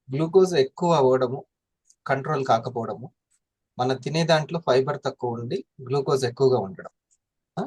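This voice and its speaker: A man's voice: medium pitch, darkish tone, husky, dry recording. A man explaining in a classroom style, constantly asking his listeners questions. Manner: asks the audience questions often. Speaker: presenter explaining health products.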